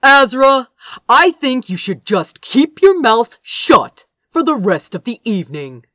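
A woman plays an arrogant royal older brother in a fantasy storybook. He is stern and condescending, with clipped commands and forceful, swinging intonation. The recording is close and dry. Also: a little high, very animated, slow, no room sound, pitched above the performer's own voice, full character voice. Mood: irritated.

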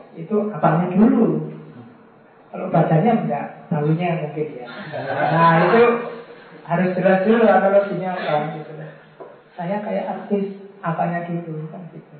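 A man giving an informal religious lecture, teasing his listeners with playful examples. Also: high-pitched. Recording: tinny, echoey, far from mic.

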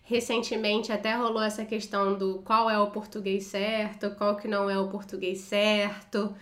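A woman's voice: mid-range voice, flat delivery, moderate pace. A woman interviewer asking her guest questions in a casual, curious way.

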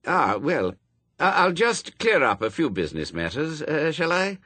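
A man's voice: fairly high pitch, sing-song, unhurried, bright, forceful tone, dry recording, pitched above the performer's own voice, full character voice. A man voicing a fussy, anxious, polite angel bookseller in a storybook, prim and flustered, with stammers. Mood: desperate.

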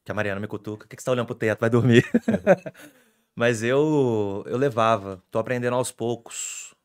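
A young adult man, a sports reporter telling stories in an excitable, animated way on a casual podcast. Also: medium pitch, normal speed, smooth.

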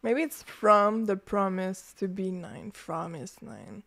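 A young woman co-hosting a podcast in casual chat, blunt with quick reactions. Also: mid-range voice, vocal fry, fairly bright tone. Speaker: podcast co-host.

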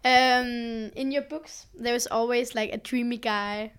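A woman's voice: fairly high pitch, steady tone, unhurried, a bit bright, smooth. A young Danish woman hosting a podcast, asking hesitant questions in English with a Danish accent and lots of fillers. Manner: hesitant, giggly, many fillers. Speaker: podcast host. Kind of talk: casual interview chat.

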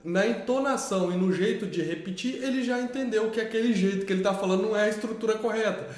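Man with a strongly echoing voice. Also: high-pitched. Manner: storytelling, agreeable, quick affirmations. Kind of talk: casual educational live chat. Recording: very echoey room.

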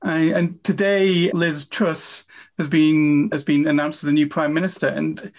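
A woman in her fifties chats as an interview guest, eager and quick to poke fun at herself. She talks freely and warmly about her interests and her books, in an easy, unguarded conversational flow. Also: low-pitched, steady tone. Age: 50s. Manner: chatty, enthusiastic, self-deprecating. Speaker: author and guest. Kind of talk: casual interview chat.

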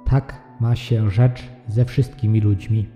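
A sentient yogurt overlord for an audio drama. It sounds very dark and slow, calmly imperious and coldly superior, with muffled sound and a long cavernous reverb. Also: male voice, lowish voice. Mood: cool condescension. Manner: measured, formal, commanding. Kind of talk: audio drama character acting. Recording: muffled, long echoing reverb, faint music behind.

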